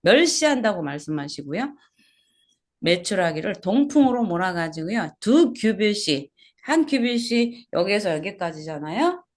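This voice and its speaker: In a very animated, mid-range voice at normal speed, a woman pastor works through an expository sermon at a small church service. Her delivery includes repeated key words and questions aimed at the congregation.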